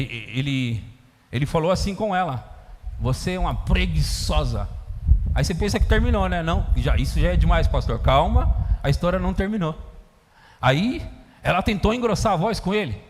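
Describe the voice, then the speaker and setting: Animated Brazilian pastor in echoey church. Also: male voice, on the high side. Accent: Brazilian Portuguese. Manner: storytelling, animated, acts out scenes. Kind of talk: sermon.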